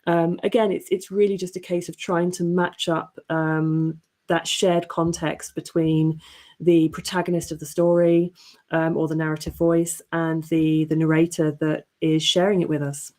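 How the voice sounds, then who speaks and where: Female panelist, mellow and fairly low, articulate and earnest in discussion. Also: flat delivery, normal speed. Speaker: podcast editor, panelist. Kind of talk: considered panel discussion talk.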